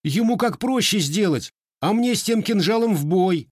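A man's voice: high voice, expressive, normal speed, a little mellow, dry recording, studio quality, pitched above the performer's own voice. A man voicing a hot-headed teenage Cossack boy who talks in a brash, whining way. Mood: whiny. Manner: brash, whiny.

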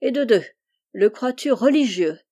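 A woman voicing a kindly, jovial middle-aged man who teases gently in an audiobook reading. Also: on the high side, expressive, a little slow. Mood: amused, gentle. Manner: jovial, warm-hearted.

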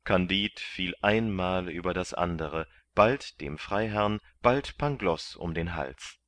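A man reading a classic novel aloud as narrator, in a measured, even way. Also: deep voice, no echo. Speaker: audiobook narrator.

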